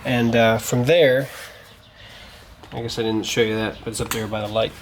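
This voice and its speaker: A man's voice: medium pitch, fairly even intonation, moderate pace. A man giving a casual, hands-on how-to in an informal, folksy way, talking as he works. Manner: informal, folksy, talks while working. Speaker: DIY car tutorial presenter. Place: garage, working around a vehicle. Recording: clearly noisy garage camera recording.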